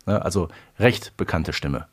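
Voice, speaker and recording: A man hosting a podcast in casual chat, pausing often with filler sounds. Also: sits low. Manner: hesitant, many filler sounds. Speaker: podcast host. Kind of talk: casual podcast chat about a radio play.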